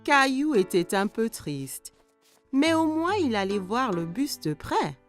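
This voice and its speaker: A woman giving scripted storybook narration for a children's cartoon, expressive and aimed at young listeners. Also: on the high side, slow, faint music behind.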